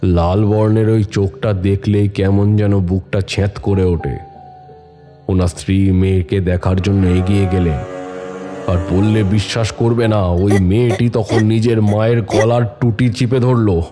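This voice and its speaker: Low-voiced tantric storyteller played by a man, music behind. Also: flat delivery, unhurried, close to an everyday voice. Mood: solemn, suspenseful. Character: male tantric holy man recounting his uncanny adventures. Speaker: narrator. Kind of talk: dramatic first-person horror narration. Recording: music bed under the voice. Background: dramatic music.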